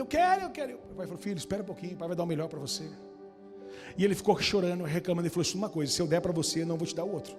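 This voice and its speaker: A man preaching a sermon as pastor, moving between quiet storytelling and shouted, fervent exhortation in a church. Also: on the high side. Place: church hall. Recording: long church reverb, music behind.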